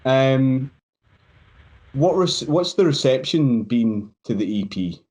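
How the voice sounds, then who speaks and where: A man's voice: medium pitch, expressive, takes it slowly, darkish tone. A man co-hosting a podcast interview, praising the guests' release before he asks a question. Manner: enthusiastic praise, ums between phrases. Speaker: podcast co-host. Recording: dull lo-fi sound.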